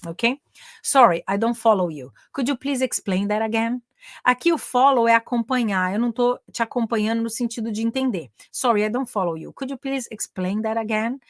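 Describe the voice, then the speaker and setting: A woman's voice: fairly high pitch, dry recording, studio quality. A woman with a Brazilian accent teaching business English in a live online class, chatting with her audience and repeating example phrases. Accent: Brazilian Portuguese. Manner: switches between Portuguese and English examples, chatty, addresses audience as gente.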